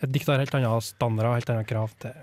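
Hesitant man with a mellow voice. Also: mid-range voice, steady tone, no room sound. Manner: hesitant, many fillers. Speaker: book reviewer on a radio show. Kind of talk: casual radio chat and poem reading.

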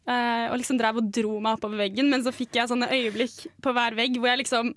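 A woman's voice: on the high side, level tone, a bit bright, a little hiss or hum. A young woman, co-hosting a radio show and telling a story in a casual chat. She laughs often and uses many fillers. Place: radio studio.

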